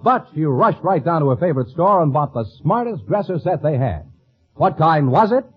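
A man's voice: on the high side, very animated, moderate pace, breathy edge. A man working as a radio announcer, reading in a polished, salesmanlike mid-century style. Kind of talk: 1950s radio announcing and sponsor copy. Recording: muffled vintage radio recording, faint music.

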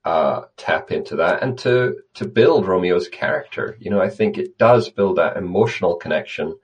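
A man with a very low, deep voice answers interview questions in an easy conversational way. He speaks thoughtfully, often restarting a phrase before carrying on. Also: lively intonation, normal speed, lo-fi sound. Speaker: conservation guest.

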